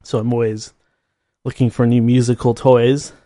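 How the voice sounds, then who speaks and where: A man's voice: mid-range voice, flat delivery, moderate pace, dark tone, no room sound, clean studio sound. A man in his thirties hosting his own podcast, rambling casually and laughing at himself. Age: 30s. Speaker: podcast host. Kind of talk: casual solo monologue.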